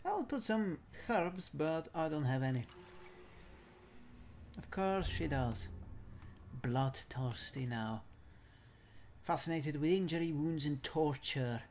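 Male let's play commentator: theatrical, mock-genteel put-on accent, leisurely pace, swooping mid-range pitch, playful delivery. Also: lively intonation, takes it slowly, long pauses, a little mellow, slight background noise. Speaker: gamer commentating own play.

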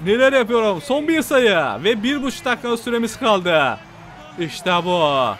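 A man giving excited gameplay commentary as a gaming YouTuber, shouting at the players on screen and at his viewers, his voice going hoarse. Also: high-pitched, moderate pace.

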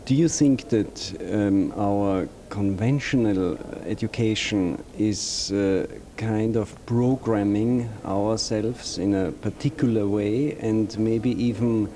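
Guy interviewing someone, slow and halting, low dark voice, lots of um's. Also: a little hiss or hum. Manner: slow, halting questions with many ums. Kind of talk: interview questions.

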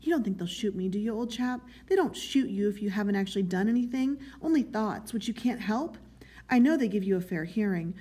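A woman's voice: medium pitch, a little fast, mellow, close to an everyday voice. Woman voicing a pleading, servile, chummy man. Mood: anxious pleading. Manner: pleading, self-justifying, chummy. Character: pudgy, eager, servile middle-class man, miserable yet proud.

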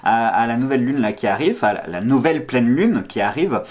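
A man in his thirties chats to his viewers as a card-reading host, with a slight slushy lisp on his s sounds. His pitch is ordinary for a man, and his delivery is playful and hesitant, wandering off into asides. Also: animated, fairly quick, darkish tone. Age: 30s. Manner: playful, self-teasing, hesitant and digressive. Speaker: tarot card reader and video host. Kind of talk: casual chatty vlog to camera. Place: small indoor room, seated at a table.

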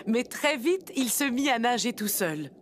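A woman narrating a French children's cartoon story as a kindly storyteller, expressive and clearly articulated. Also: fairly high pitch, unhurried. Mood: storytelling.

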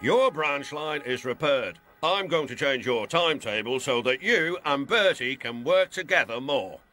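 A man voicing a brisk, portly male railway boss in a storybook reading, matter-of-fact. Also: medium pitch, expressive, sharp tone. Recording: music playing behind.

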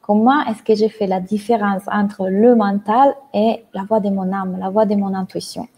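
A woman in her thirties from Italy, speaking French with an Italian accent, explaining ideas as a mindset coach on a video call, talking with lively hand gestures. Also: mid-range voice, normal speed. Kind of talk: online talk, explaining to a live audience. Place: bright room at home, indoors. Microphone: earphone headset mic on a video call.

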